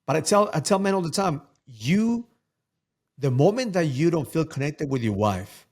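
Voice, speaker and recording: A man's voice: fairly high pitch, sing-song, moderate pace, a little mellow. A man talking as a guest coach in a casual interview, emphatic and preachy, often repeating words for stress.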